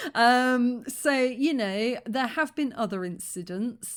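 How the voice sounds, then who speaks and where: A woman speaks very slowly with a British accent, recorded very cleanly against a silent background. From Britain. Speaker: YouTuber and writer living abroad. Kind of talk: reaction video commentary. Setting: at home. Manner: hesitant, many fillers.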